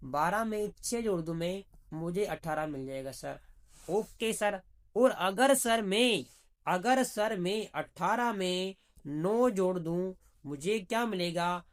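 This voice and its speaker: A man's voice: high voice, takes it slowly. Chatty maths teacher, man. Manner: chatty, calls students "bhaiya", asks and answers his own questions. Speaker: reasoning teacher. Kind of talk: exam-prep video lesson.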